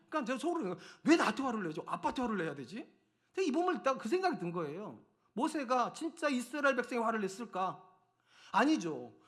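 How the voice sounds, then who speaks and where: A male pastor delivers a Sunday sermon in a fairly high voice that rises and falls with lively swings. He keeps asking his listeners rhetorical questions and slows down to read scripture aloud. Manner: reads scripture aloud slowly. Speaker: senior pastor.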